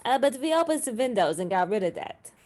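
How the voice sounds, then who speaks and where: A woman's voice: fairly high pitch, sing-song, brisk, darkish tone. A woman playing an earnest, romantic male vampire in a comedy table read, chatting hesitantly as if interviewed for a documentary. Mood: earnest, mild.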